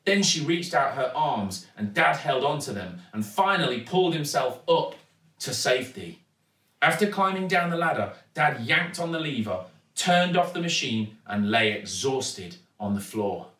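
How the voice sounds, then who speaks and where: British guy reading a kids book, lively and dramatic, bright voice, mic a bit far off. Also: mid-range voice, unhurried. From United Kingdom. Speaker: actor reading a children's book. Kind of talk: expressive storybook narration. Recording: echoey room, distant mic.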